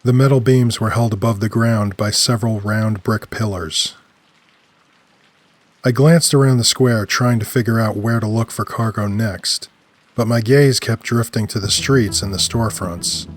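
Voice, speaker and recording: A man's voice: fairly low pitch, moderate pace, no room sound. A man narrating scripted first-person audio fiction. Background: music.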